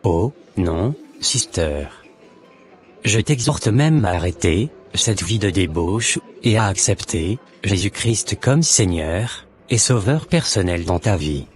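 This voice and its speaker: A man's voice: fairly low pitch, lively intonation, slow pace, faint music behind. A man playing a newly converted Christian man in a cartoon, who speaks earnestly and exhorts others. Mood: exhorting.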